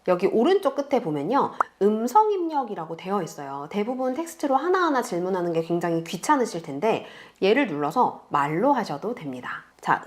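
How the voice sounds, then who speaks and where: Lively, patient woman tutor. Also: mid-range voice. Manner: patient, explanatory, addresses viewers politely. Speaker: online tutor. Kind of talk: step-by-step tutorial narration.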